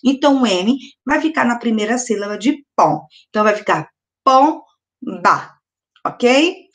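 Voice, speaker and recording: Brazilian woman, middle-aged, first-grade teacher on video, slightly high pitch, patient and slow on syllables. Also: expressive. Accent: Brazilian Portuguese. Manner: slow, sounding out words syllable by syllable; patient, asks children questions and answers them. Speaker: primary school teacher.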